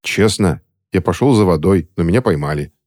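A nervous, polite orphan boy who answers meekly and a bit slowly, as a male narrator voices him. It stays near the reader's own deep voice. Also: animated, darkish tone, no room sound, studio quality.

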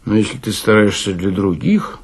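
A man voicing a slovenly, ageing count who drinks in a tavern, impassive, indifferent and unhurried, in a dramatic literary reading. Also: fairly low pitch, husky. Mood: indifferent, world-weary.

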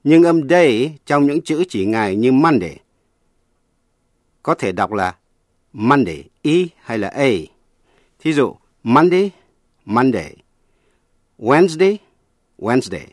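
A man presents a radio language lesson at an unhurried pace, explaining each point in a measured, patient way. His voice sits at an ordinary middle pitch, and the studio sound is dry and close. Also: lively intonation, no room sound. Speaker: language teacher. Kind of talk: scripted radio lesson narration.

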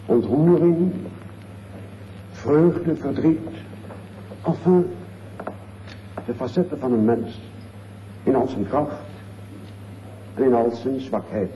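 A man's voice: medium pitch, slow pace, pauses often, slight background noise. Echoey, distant Dutch man giving solemn speech. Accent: Dutch, from the Netherlands. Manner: declamatory, solemn, weighty phrasing. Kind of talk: formal tribute speech. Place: large echoey room, off the microphone. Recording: echoey, distant, dull archive speech recording.

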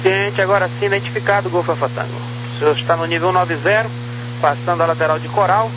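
A man with a high voice directs aircraft over the radio as an approach controller. His phrasing is quick and procedural. The channel carries clear hum and noise. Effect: aviation radio. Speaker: approach air traffic controller. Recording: noisy, humming air traffic radio.

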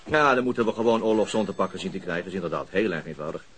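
Senior investigator, articulate and wry, very varied intonation, radio drama. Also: male voice, low voice, animated, racing, a little hiss or hum. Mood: measured, pleased. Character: senior police investigator, deliberate, wry, easily exasperated. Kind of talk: Dutch radio crime drama acting.

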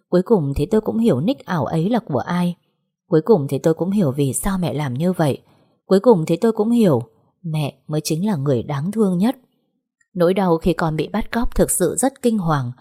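A woman's voice: on the low side, mellow, slightly rough. A woman reading a first-person story aloud as scripted narration, with an emotional, dramatic delivery.

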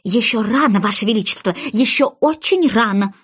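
A woman's voice: expressive, a bit bright, slightly rough. A woman voicing a fussy, stammering male white rabbit who serves as a court herald, rattling his lines off in a hurry. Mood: fussy, shrill. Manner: stammering, shrill and hurried.

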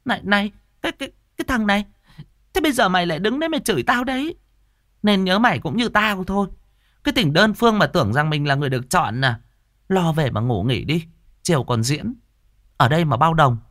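A man voicing a sharp-tongued, spiteful young woman singer in a storybook reading, talking in a taunting, gossipy way. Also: fairly high pitch, sing-song, normal speed, dry recording, clean studio sound, pitched above the performer's own voice. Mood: shrill scolding. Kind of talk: storybook narration with voiced characters.

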